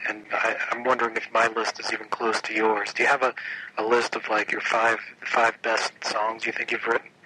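Noticeable background noise lies under a man at medium pitch. His intonation is monotone and flat, his pace moderate. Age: 30s. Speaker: music journalist. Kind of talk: interview.

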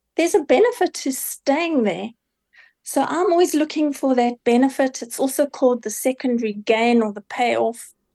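A high-pitched woman with a South African accent and a dark, mellow tone, against a quiet background. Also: lively intonation, moderate pace, dry, close sound with no echo. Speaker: mindset mentor and pilgrimage guide. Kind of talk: interview conversation. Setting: remote call.

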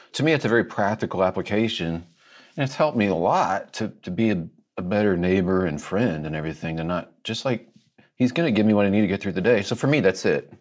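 A man's fairly low voice with an American accent, at a very fast pace with lively intonation. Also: very clean recording, silent background. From Central Illinois. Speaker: radio host and author. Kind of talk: casual interview chat.

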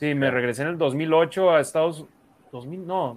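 Using ordinary pitch variation, a man talks at a fairly high pitch in an unremarkable speaking voice. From US, East Los Angeles. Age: 30s. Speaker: sports podcast host. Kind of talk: casual sports talk show.

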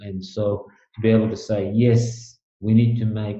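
Somewhat breathy, a man speaks at a fairly low pitch with monotone, flat intonation, and there is audible room echo. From India (Chennai). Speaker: sports executive and management consultant. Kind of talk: interview conversation.

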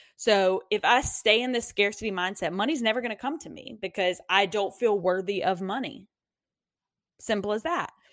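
A woman talks at a moderate pace in an unremarkable speaking voice, medium in pitch with ordinary pitch variation. Her loudness swings widely against a quiet background. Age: 30s. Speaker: podcast host. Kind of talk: solo casual monologue. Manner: casual, with fillers.

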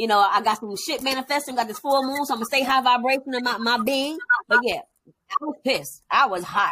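A woman speaks in a raised, projected voice at a high pitch with a bright, sharp tone. Her pace is fairly quick and her intonation lively. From North Carolina, US. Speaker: podcast co-host. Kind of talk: casual chat.

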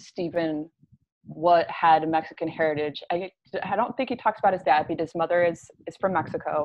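A woman's normal speaking voice in an American accent, fairly low in pitch, at a moderate pace with fairly even intonation. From Utah, US. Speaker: film critic. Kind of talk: casual chat.

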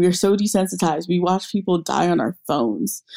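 Very fast speech with ordinary pitch variation comes through a very clean recording with a silent background, the sound dry and close with no echo. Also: woman. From West Indies. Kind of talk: casual interview.

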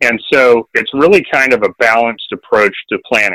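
In a dry, close sound with no echo, a man with medium pitch and a normal speaking voice talks at a moderate pace. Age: 40s. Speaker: real estate agent. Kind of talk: interview.

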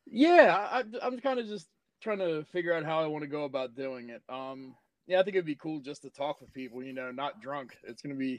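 A plain, everyday voice from a man, fairly high-pitched, with big swings in loudness, lively intonation and a fairly quick pace. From Delaware, US. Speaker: record label owner. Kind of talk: casual chat.

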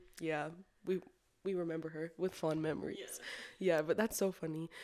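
With an American accent and an unremarkable speaking voice, a woman talks at a fairly quick pace in a fairly low pitch with fairly even intonation. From Utah (Orem). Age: 20s. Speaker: podcast guest. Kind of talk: casual chat.

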